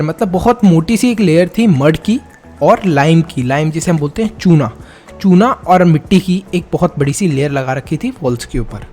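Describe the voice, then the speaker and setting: A teacher walks students through a textbook chapter. Each English passage is read slowly, word by word, and then explained in Hindi with questions put to the listeners. Soft music plays faintly underneath. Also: mid-range voice.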